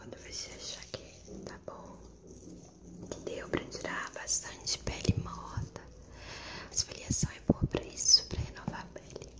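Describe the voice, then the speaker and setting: Whispering at a fairly slow pace, a woman leaves long, frequent pauses and shows big swings in loudness. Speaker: ASMR creator. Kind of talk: ASMR hand care role play. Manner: soft-spoken.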